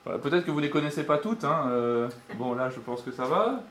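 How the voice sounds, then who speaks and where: A man preaching to a small gathering at a mid-range pitch, pausing often on fillers as he goes. He reads a scripture passage aloud, then puts questions to his listeners. A faint hiss runs under his voice. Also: expressive, fairly bright tone. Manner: hesitant, with frequent fillers; asks the audience questions. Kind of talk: sermon with Bible reading.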